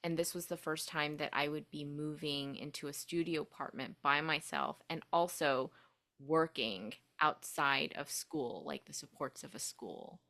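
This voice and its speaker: A young woman with a low, grounded voice speaks with a reflective tone. She hesitates often, trails off and starts over, and she grew up speaking Korean first. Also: unhurried, bright, forceful tone. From United States. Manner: reflective, many fillers and restarts. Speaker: podcast guest. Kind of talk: casual interview storytelling.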